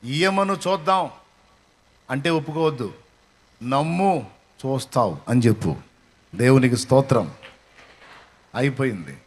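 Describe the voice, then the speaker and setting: A male pastor preaching a sermon with impassioned, repetitive exhortation that swells into loud declarations. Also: medium pitch.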